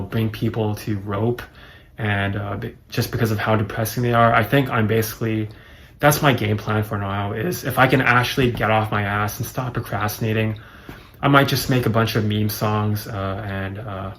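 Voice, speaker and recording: A man in his late twenties with a raspy voice, rambling hesitantly and running himself down in a solo vlog, with many fillers. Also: lowish voice. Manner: hesitant, self-deprecating, full of fillers. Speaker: YouTuber. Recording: echoey room, faint music behind.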